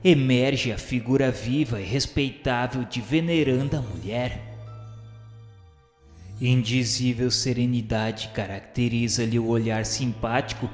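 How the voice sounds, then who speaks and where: Over background music and an echoey hall-like reverb, a man narrates a spiritist radio novela. His medium-pitched voice moves a little slowly as he reads solemn, scripted, formal and reverent literary narration.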